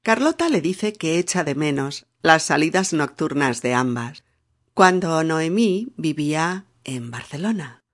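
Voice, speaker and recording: Her voice sits low, with lively intonation and a slightly slow pace, as this Peninsular-accented Spanish woman teaches a language lesson. She stays patient, prompting softly with "mm?"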